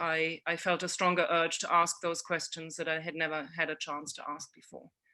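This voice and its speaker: The tone is bright and sharp, with big swings in loudness. There are hardly any pauses. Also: woman. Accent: German. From Germany. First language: German. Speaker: illustrator and author. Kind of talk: presentation. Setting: online symposium. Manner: hesitant, many fillers.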